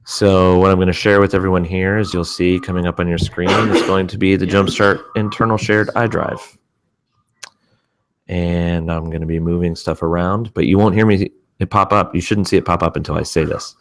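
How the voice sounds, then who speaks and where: A man's voice: low-pitched, steady tone, normal speed. A man running a casual webinar sound test at the office, joking and playing with silly voices. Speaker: presenter testing a webinar.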